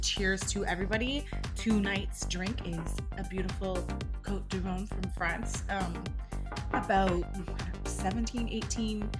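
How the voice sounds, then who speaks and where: A woman in her thirties talks in a casual, chatty way. She sounds congested from allergies and vents bluntly, swearing freely. Soft music plays faintly underneath her voice. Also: mid-range voice. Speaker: podcast host. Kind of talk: casual chat, storytelling.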